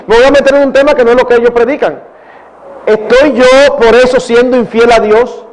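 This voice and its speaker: High-voiced older Dominican pastor. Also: male voice, low-quality recording. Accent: Dominican Spanish. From Dominican Republic. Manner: earnest, digressive, addresses audience as brothers. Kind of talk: conference Q&A talk.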